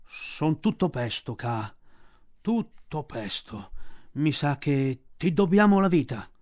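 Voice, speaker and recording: A man voicing a big gentle old bear who talks slowly with a groaning, fond manner. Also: a little high, very animated.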